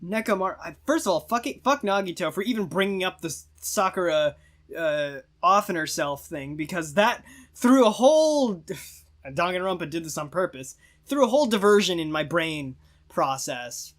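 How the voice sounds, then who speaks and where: A woman's voice: fairly low pitch, animated, normal speed. A woman giving casual game commentary as she plays, talking in a slangy, offhand way. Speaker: gamer reacting to a game. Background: game music.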